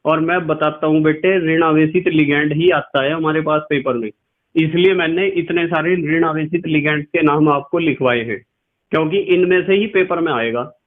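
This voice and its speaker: A man's voice: fairly high pitch, normal speed. A man teaching a chemistry class. He talks patiently, repeats key terms and spells words out letter by letter. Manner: addresses students as "beta". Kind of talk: classroom lecture to students. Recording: tinny, phone-like recording.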